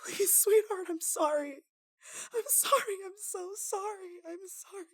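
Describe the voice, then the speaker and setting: High-pitched, desperate, obsessive woman lover acted. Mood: pleading, grieving. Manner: halting, pleading, stammering delivery. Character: obsessive yandere lover, a desperate, guilt-ridden woman pleading. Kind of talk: ASMR roleplay monologue, emotional acting.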